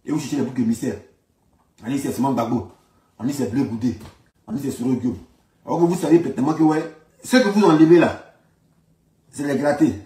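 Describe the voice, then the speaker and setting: A man's voice: medium pitch, brisk, long pauses, dark tone. A man with an Ivorian accent giving an informal political monologue, insistent, repeating phrases for emphasis and asking rhetorical questions. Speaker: political commentator. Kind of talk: informal spoken political monologue in reply to a speech. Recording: roomy echo, distant microphone.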